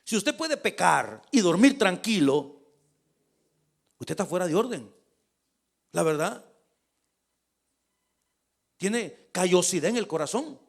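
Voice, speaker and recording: Gravelly, animated preacher. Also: male voice, sits high, slow pace, long pauses. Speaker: pastor. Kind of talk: sermon.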